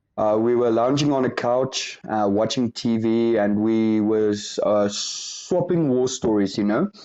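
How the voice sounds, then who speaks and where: Amid noticeable background noise, the speech keeps very even loudness and ordinary pitch variation at a fairly slow pace. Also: man, medium pitch for a man, hardly any pauses. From South Africa. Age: 20s. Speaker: interview guest with schizophrenia. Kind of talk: interview. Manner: halting.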